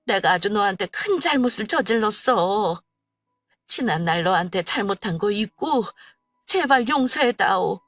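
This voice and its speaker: A woman's voice: medium pitch, animated, measured pace, a bit bright, no room sound, clean studio sound, soft background music. A woman voicing a stubborn, self-pitying older mother-in-law who whines and scolds. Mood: pleading. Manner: whiny, scolding, later pleading.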